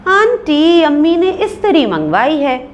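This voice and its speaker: A woman's voice: high-pitched, big pitch swings, a little slow, a little hiss or hum, pitched above the performer's own voice. A woman voicing a cheeky young boy with a toy pistol, reading a play aloud for a class. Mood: playful. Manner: playful, demanding.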